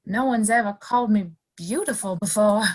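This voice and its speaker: A woman acts out a young frontier woman in a western audio play. Her voice sits at a medium pitch, and her delivery is sweet, earnest and modest. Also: moderate pace, darkish tone, lightly acted. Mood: delighted.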